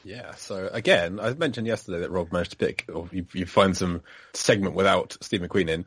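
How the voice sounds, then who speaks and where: A man's voice: low-pitched, brisk, fairly bright tone, slightly rough, no room sound. A man appearing as a guest on a movie podcast, joking around and often breaking into laughter. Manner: joking, slips into mock voices and laughs. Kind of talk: casual podcast chat.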